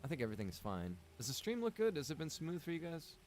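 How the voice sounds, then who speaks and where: A man's voice: on the high side, huge pitch swings, quick pace, a little mellow, a little hiss or hum. A man livestreaming from a room at home, chatting casually with his viewers in a rambling way full of "like" and "man". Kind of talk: casual chat with stream viewers.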